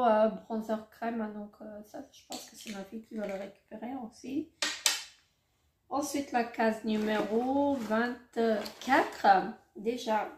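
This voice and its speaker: A woman's voice: fairly high pitch, a little mellow. A middle-aged woman vlogger unboxing beauty products in a casual, hesitant way, with many fillers and self-corrections. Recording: roomy echo, faint noise.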